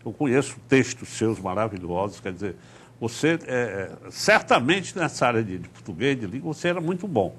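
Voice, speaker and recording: Host with lively intonation. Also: male voice, mid-range voice, moderate pace, a little hiss or hum. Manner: attentive, frequently interjects agreement. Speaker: TV interview host. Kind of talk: conversational interview.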